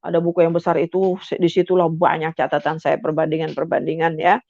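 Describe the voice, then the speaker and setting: A woman's voice: deep voice, level tone, fast, creaky, darkish tone, dry recording. Older woman, testimony guest, chatty storyteller, dull dry recording. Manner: chatty, acts out remembered dialogue, many fillers. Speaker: guest giving a conversion testimony.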